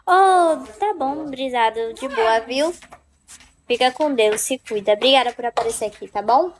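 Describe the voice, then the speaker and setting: Playful high-voiced woman. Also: normal speed, noisy background. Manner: chatty, playful, greets viewers and laughs often. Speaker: livestream host. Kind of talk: casual live stream chat with viewers.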